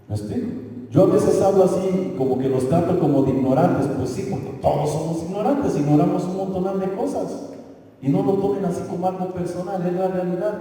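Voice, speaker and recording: A man's voice: fairly high pitch, dark tone. A pastor preaching a sermon in a conversational way, often stopping to ask his listeners if they follow him. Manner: conversational preaching with rhetorical questions. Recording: echoey church hall from far off.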